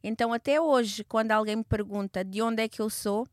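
A woman's voice: on the high side, brisk, dry recording. Woman in her thirties, dry close sound. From Portugal. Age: 30s. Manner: hesitant, with many fillers and restarts. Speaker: guest. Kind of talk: conversational interview.

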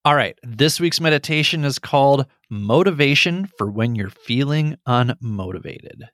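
A middle-aged man hosting a podcast and leading a guided meditation in a calm, gentle, instructive way. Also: mid-range voice, moderate pace, dry recording, studio quality.

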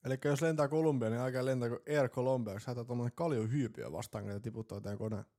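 A man's voice: medium pitch, mellow. A young man co-hosting a comedy podcast, telling jokes and trading crude banter. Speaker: podcast co-host. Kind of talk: casual comedy chat.

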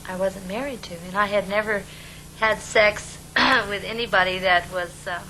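A woman speaking hesitantly, with pauses and ums, in an archival documentary interview. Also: mid-range voice, steady tone, bright, forceful tone, slight background noise, rough recording. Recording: archive clip with music. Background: music.

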